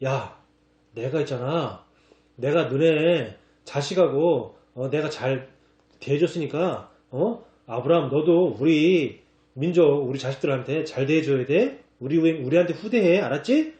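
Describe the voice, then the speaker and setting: A man's voice: on the high side, expressive, a little slow, dark tone, echoey room. A man voicing a sly king who coaxes and makes casual excuses. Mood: coaxing. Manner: coaxing, casual, making excuses. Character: sly foreign king, wheedling then flustered.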